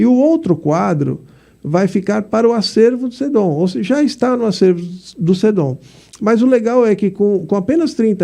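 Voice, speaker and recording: A man speaks at a moderate pace with a high pitch and lively intonation. His tone is dark and mellow. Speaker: radio talk show host. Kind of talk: live radio interview show. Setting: radio studio, live-streamed.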